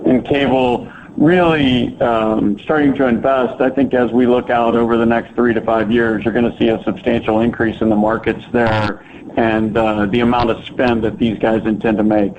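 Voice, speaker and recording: A man's voice: medium pitch, a little mellow. Male executive fielding questions on an earnings call, informal and hesitant, telephone audio with slight noise. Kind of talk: answering analyst questions on a conference call. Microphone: telephone conference line. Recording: thin phone line, faint noise.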